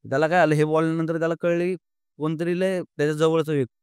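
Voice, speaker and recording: A man's voice: a little high, flat delivery, darkish tone, clean tone, no room sound, clean studio sound. Earnest young man. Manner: earnest, halting, many fillers and restarts. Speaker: podcast guest. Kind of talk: emotional storytelling in an interview.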